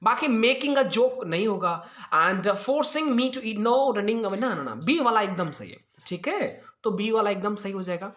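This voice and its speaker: A man teaching English idioms to exam students, reading each English line slowly in an Indian accent and then explaining it in Hindi. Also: high-pitched, bright, forceful tone. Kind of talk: exam prep lesson.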